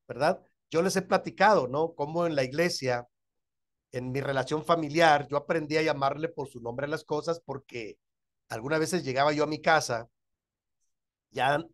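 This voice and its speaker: A middle-aged Mexican-accented pastor teaching a church class, his voice sitting a little high for a man. He keeps checking in with his listeners and laughs softly between points.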